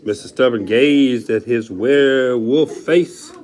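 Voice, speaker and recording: A man's voice: mid-range voice, slow pace, a little mellow. A man reading a children's book dramatically, in a folksy, theatrical way with chatty asides. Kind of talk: animated dramatic read-aloud.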